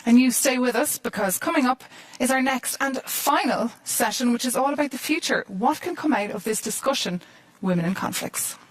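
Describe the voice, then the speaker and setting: Woman event host, slightly high voice, polished, dry close sound. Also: normal speed, no echo, low-quality recording. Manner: smooth, polished presenter delivery. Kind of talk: moderating a panel.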